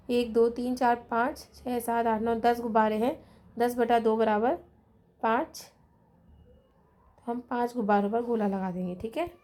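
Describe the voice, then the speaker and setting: A woman with a Rajasthani Hindi accent and a slightly high voice teaches children a math lesson. She explains slowly and patiently, counting items aloud and checking in with her pupils again and again.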